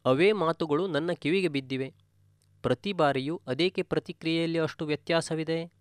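A man as a meditation teacher giving a spiritual discourse in a calm, measured, explanatory way. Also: fairly high pitch, clear, resonant tone, no echo, clean studio sound.

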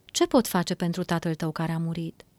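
A woman reading a calm wise male teacher. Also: on the low side, no echo, close to an everyday voice. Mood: patient.

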